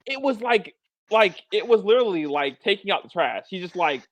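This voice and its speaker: A man's voice: high voice, expressive, a little fast, a bit bright. A man co-hosting a casual film review podcast, talking in an emphatic, incredulous rant. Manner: incredulous, emphatic ranting with mock quotes. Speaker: podcast co-host.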